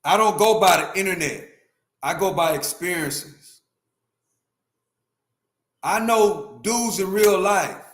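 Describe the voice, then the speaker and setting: A man's voice: high-pitched, slow pace, long pauses, fairly bright tone, echoey room. Emphatic fifty-something man ranting to chat. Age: 50s. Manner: emphatic, repetitive, talks to chat. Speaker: livestream host. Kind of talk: opinionated livestream rant.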